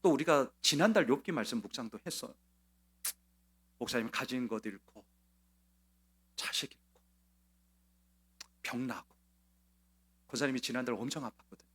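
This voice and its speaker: A man's voice: mid-range voice, moderate pace, long pauses, fairly bright tone, breathy edge. A man preaching a Sunday sermon as pastor, telling a personal story in a conversational way with frequent "uh" fillers and repeated words. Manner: conversational storytelling, quoting others in a changed voice.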